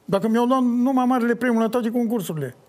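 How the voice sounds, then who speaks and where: An older man answering interview questions in an animated way, breaking into sung folk lines as he talks. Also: very high-pitched. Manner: animated, sings folk lines mid-talk. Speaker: folk singer.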